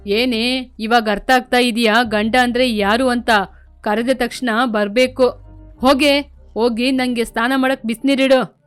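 Woman as a bullying adult son, gruff lowered voice, curt, storybook. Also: fairly even intonation, normal speed, faint music behind, lightly acted. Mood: defiant. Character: rude drunken grown son, man, domineering.

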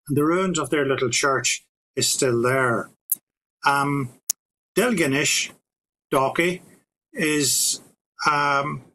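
Thoughtful older Irish man, bright voice. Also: mid-range voice, rough recording. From Ireland. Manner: reflective, hesitant with frequent fillers and restarts. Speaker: local history speaker. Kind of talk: recorded talk to camera. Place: small room with curtains behind.

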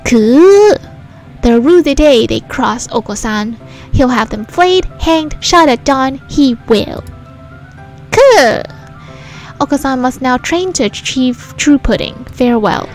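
Woman voicing a shrill, melodramatic cartoon pigeon. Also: lively intonation, slow, soft background music, full character voice. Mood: indignant. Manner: bombastic third-person declarations with loud coos. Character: hyper, melodramatic male fantail pigeon, indignant about pudding.

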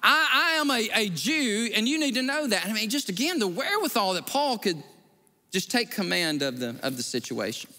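A man's voice: sits high, moderate pace. A man, preaching a sermon as pastor in a large church, telling stories and acting out the voices of the people in them. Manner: animated storytelling, acting out quoted voices. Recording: long hall reverb.

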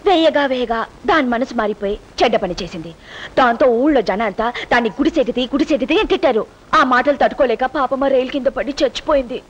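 An actress playing a naive, prudish young wife from a village, talking in a scolding, sing-song way in a film comedy. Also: female voice, sits high, expressive, fast talker, dull audio, a little hiss or hum. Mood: storytelling.

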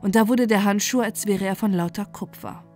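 Calm woman reading a bedtime fairy tale. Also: medium pitch, fairly quick, soft background music. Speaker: storyteller.

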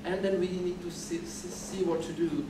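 Man lecturing in an echoey hall. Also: sits high. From Czech Republic. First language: Czech. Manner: halting, repeats words and restarts, steady explaining. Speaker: conference speaker. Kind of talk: conference presentation. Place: dim lecture hall, at a podium. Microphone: podium mic, recorded from a far camera. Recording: echoey hall recorded from far off, noisy.

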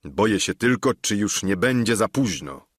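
A man voicing an old, deluded knight who speaks slowly and solemnly. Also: expressive, dry recording, studio quality. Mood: earnest. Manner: slow, solemn, low and measured.

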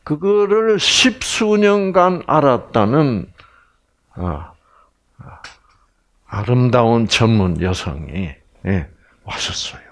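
An older man giving a health lecture on stage in a large lecture hall. He is animated and swings between exclamations and hushed asides. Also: mid-range voice, slow pace, pauses often.

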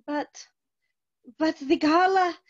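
Woman as a very slow, entranced opera diva. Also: very high-pitched, dry recording. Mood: dazed obedience. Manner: halting, trance-like repetition. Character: entranced female opera diva, submissive and bewildered. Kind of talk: stage play reading. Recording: dull, dry video-call audio.

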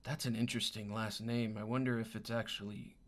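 A man playing a grave, formal monk master in a tabletop game, speaking in slow, deliberate phrases. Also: fairly low pitch, flat delivery, fairly bright tone, natural voice. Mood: calm, pensive. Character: grave, measured male monk master of martial arts.

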